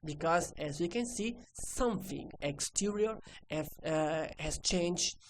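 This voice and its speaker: A woman with a Portuguese accent, a native Portuguese speaker, giving a technical lesson step by step in a halting, repetitive way, often checking with the listener. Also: deep voice, expressive, slight background noise, poor audio. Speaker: computer repair instructor. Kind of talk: screen-recorded technical lesson, explaining step by step.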